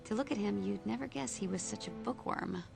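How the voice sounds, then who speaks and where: An actress voicing a calm adult heroine who leads a newcomer on a tour of her team's home in a video game. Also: mid-range voice, brisk, vocal fry, music in the background. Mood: welcoming. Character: calm adult woman mutant team guide. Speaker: game character giving a house tour.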